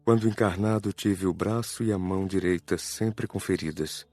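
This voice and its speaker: A man's voice: deep voice, steady tone, moderate pace, darkish tone, no room sound, faint music behind. A man with a Brazilian accent playing a spirit student who gives somber, plain testimony of past suffering in an audiobook. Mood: somber recollection. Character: Murilo, male spirit student recalling suffering.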